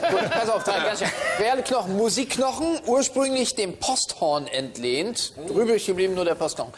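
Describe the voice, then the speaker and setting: A man on a comedy panel show, firing off quick joking guesses. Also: high voice, big pitch swings, a loud crowd. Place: TV studio with live audience.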